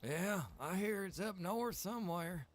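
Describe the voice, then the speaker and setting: A man's voice: high voice, animated, unhurried. A man chatting casually in character in an online roleplay game, with a folksy, easygoing way of talking. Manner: folksy, easygoing, drawling phrases. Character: Pete, friendly folksy wandering survivor in zombie roleplay.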